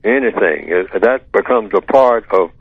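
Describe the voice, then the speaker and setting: A man's voice: on the low side, animated, vocal fry, husky, no room sound. Older man lecturing over a tinny phone line. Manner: measured, explanatory, repeats key words. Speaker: radio show guest answering callers. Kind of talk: call-in radio talk.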